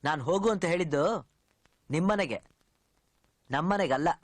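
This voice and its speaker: A man's voice: a little high, moderate pace, no room sound, studio quality, lightly acted. An actor playing a brusque bachelor man who scolds and turns people away from his house, in film dialogue. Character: gruff bachelor man guarding his home.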